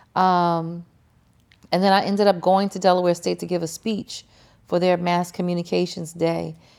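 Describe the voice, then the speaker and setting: A woman's fairly low voice at a moderate pace with monotone, flat intonation. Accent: American. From Washington, D.C. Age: 50s. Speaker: publicist. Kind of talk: interview.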